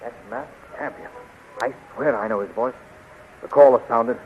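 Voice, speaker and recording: A man's voice: mid-range voice, normal speed, natural voice. A man playing an earnest, gallant young hero, resolute, in a 1930s radio adventure serial. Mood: resolute, tender. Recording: muffled, noisy 1930s radio recording.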